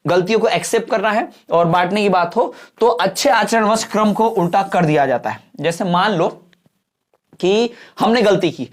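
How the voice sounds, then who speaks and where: A high-voiced man teaches an online exam-prep grammar class, checking in with students often and spelling out English examples slowly, one word at a time.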